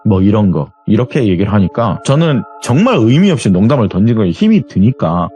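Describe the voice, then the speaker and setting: A man's voice: fairly low pitch, brisk, slightly rough, muffled recording, soft background music. A man telling a true story as an interview guest in a conversational way, acting out his friends' lines as he goes. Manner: animated, acts out friends' lines in quoted dialogue; self-described grumbler.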